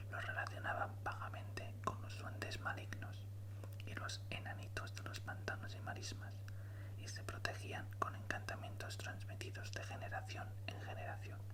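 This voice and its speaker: Amid noticeable background noise, a man speaks in a fairly low, flat monotone. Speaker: ASMR content creator. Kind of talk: horror story reading aloud. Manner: slow, measured, whispered.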